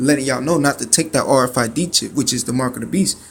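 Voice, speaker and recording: Here a man talks at a very fast pace in a medium pitch with ordinary pitch variation. Noticeable background noise and audible room echo are present. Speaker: street preacher teaching scripture. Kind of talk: religious lesson. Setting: in a bathroom at work. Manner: halting, many fillers.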